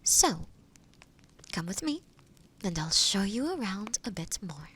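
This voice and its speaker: A woman playing a kind, solitary forest witch in a fantasy audio roleplay, speaking softly and sometimes breathily to the listener in formal, thoughtful, hesitant phrases. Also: mid-range voice, sing-song, takes it slowly, slight background noise. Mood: warm, welcoming. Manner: formal, old-fashioned wording, thoughtful and hesitant.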